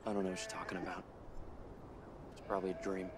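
A man's voice: deep voice, completely flat delivery, quick pace, lightly acted. An actor playing a guarded, curt young male ranch hand in a video game. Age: young adult. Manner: curt, dismissive. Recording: loud noise over game playback.

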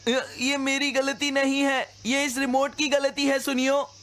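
A woman's voice: high-pitched, flat delivery, measured pace, a little hiss or hum. A woman voicing a big, domineering schoolboy bully with a blustering manner in a cartoon dub. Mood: flustered. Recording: loud music behind the voice.

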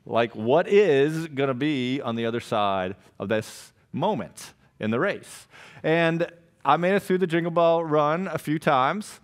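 Animated male pastor preaching on stage. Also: fairly high pitch, a little slow. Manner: animated storytelling, gestures widely, acts out his own reactions. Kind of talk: sermon. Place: church stage with purple backlit wall.

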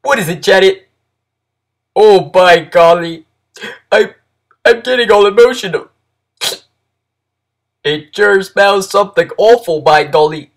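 A man's voice: high voice, slow, pauses often. A man voicing a folksy, emotional young beaver creature with an earnest manner. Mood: emotional, eager. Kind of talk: character voice audition.

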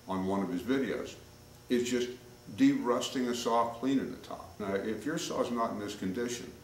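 An older man with a very deep voice walks through a woodworking repair in a relaxed, rambling way, full of "uh"s and asides. He sounds a few steps from the camcorder mic, in a boomy, roomy workshop with steady noise behind him. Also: recorded from a distance. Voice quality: folksy, rambling with many fillers. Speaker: woodworking instructor. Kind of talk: casual workshop demonstration. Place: home workshop, indoors. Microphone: camcorder mic at a distance.

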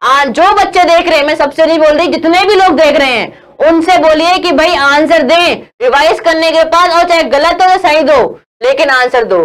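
A young woman with a high voice teaches an online exam-prep class over her slides. She talks emphatically, repeats her key points and keeps asking her listeners questions. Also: normal speed, hardly any pauses, poor audio.

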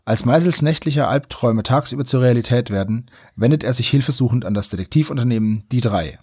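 Slightly husky man, casual podcast chat. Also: medium pitch, brisk, dark tone, no echo, studio quality. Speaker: podcast host.

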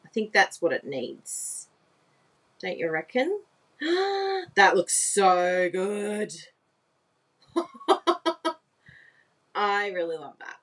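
A woman's voice: mid-range voice, very animated, drawn-out words, pauses often, fairly bright tone. A woman, chatting through a live craft demonstration, exclaiming and laughing often and asking viewers if they agree. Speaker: papercraft demonstrator. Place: indoor craft room at a desk.

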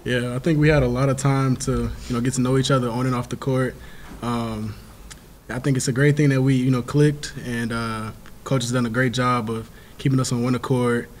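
A calm young college player speaks at a press-conference table mic in an even, level tone. He talks modestly, often stopping to restart and repeat words. A faint hum sits in the background. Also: medium pitch, a little fast. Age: 20s. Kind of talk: post-game press conference. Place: press room before a sponsor backdrop. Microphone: table mic in front of him.

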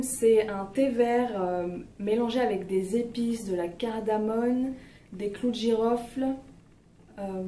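A slightly high, mellow voice carries this young vlogger's relaxed product review. She speaks hesitantly with plenty of fillers, and the at-home audio sounds roomy, with the mic at a distance and faint noise.

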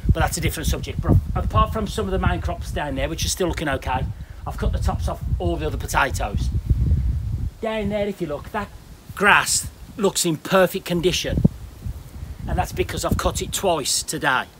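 A man's voice: a little high, normal speed, background noise. Chatty blunt British man outdoors. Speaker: smallholder vlogger. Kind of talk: casual chat to camera. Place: outdoors in a garden.

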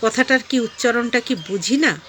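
A woman, talking to her viewers in a vlog. She gives a sharp, preachy rebuke and mixes in devotional chants. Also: a little high, moderate pace, a little hiss or hum. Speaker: online vlogger. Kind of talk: scolding video monologue.

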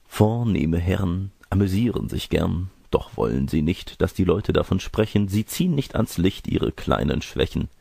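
A man's voice: medium pitch, big pitch swings, normal speed, creaky, darkish tone, breathy edge, no room sound, clean studio sound, voice pushed up, full character voice. A man voicing a lecherous wolf-sorcerer who poses as a grandmother in a storybook tale, by turns testy, wheedling and smug. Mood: self-satisfied. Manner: wheedling, boastful, crude. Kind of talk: storybook character reading.

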